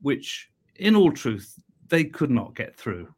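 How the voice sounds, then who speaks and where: A man from England hosting a live interview, asking questions in an animated, emphatic way and often repeating words. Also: mid-range voice, takes it slowly, husky. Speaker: host.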